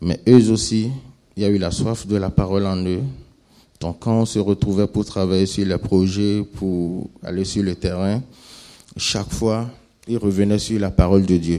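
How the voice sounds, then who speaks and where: The man's pitch is fairly low, his intonation fairly even. He talks at a fairly slow pace with long, frequent pauses. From Benin. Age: 40s. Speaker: churchgoer. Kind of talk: testimony. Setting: church.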